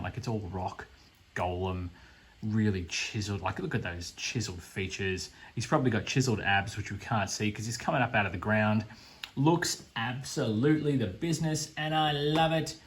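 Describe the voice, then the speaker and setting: A man's voice: fairly low pitch, husky. An Australian man gushing with enthusiasm as he unboxes a board game, speaking casually. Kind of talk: unboxing commentary.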